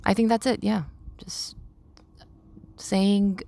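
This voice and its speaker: A young adult woman talking through personal reflections as a podcast host, halting and searching for words as she repeats phrases. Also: mid-range voice, level tone, gravelly, dark tone.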